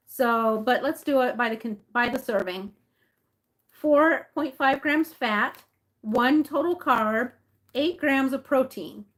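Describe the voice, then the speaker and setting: A woman from Mexico and the rural Southwest hosting a casual livestream, chatty and informal as she thinks aloud. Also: high-pitched. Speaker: livestream host. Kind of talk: casual livestream chat, reading labels aloud and replying to viewers.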